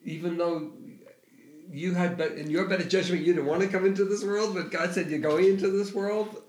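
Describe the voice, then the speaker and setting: A man's voice: high voice, steady tone, fairly quick, a little mellow. A man hosting a podcast interview, effusive and enthusiastic in his questions. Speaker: host. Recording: echoey room.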